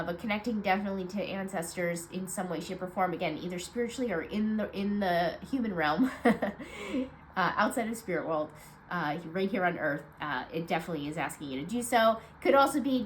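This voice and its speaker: A woman's voice: lowish voice, a little hiss or hum, rough recording. Congested, nasal woman reading cards. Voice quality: nasal, stuffed-up voice. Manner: chatty, rambling, many fillers. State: congested, low energy. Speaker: tarot card reader. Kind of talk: casual weekly card reading.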